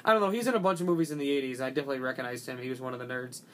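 A podcast co-host in a casual movie chat, rambling and filling every pause with "like". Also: medium pitch, a bit bright. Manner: rambling, heavy use of "like", many restarts.

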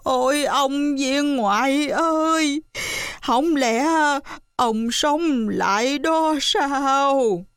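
A woman's voice: sits high, very slow, no room sound, studio quality, pitched above the performer's own voice, exaggerated voice. A woman playing a stammering old widow. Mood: timid. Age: older. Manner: stammering, pleading. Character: frightened old widow, timid and pleading.

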